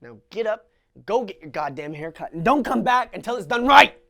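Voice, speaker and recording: A man doing a gruff, bullying father. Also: fairly high pitch, sing-song, a little fast. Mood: angry. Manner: gruff orders, rising into shouting. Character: harsh, threatening, short-tempered working-class father. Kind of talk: stage monologue acting.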